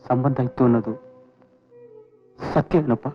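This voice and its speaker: A man's voice: medium pitch, fairly even intonation, a little slow, close to an everyday voice. An actor playing a young devoted son who earnestly reassures his family. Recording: dull lo-fi film soundtrack with faint music.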